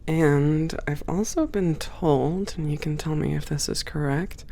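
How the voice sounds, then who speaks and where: A creaky, gravel-edged voice carries this friendly female spaceport supervisor, acted out for an ASMR roleplay. She is composed and professional, talking a new hire through things in a measured, welcoming way. The pitch sits in an ordinary middle range. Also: mellow, lightly acted. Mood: impressed, encouraging. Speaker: audio roleplay performer. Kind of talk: ASMR roleplay, one-sided conversation.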